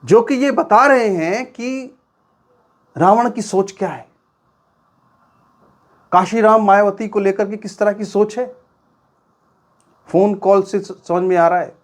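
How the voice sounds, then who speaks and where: A woman's voice: mid-range voice, slow, long pauses. A woman presenting news commentary to viewers in a colloquial, mocking way.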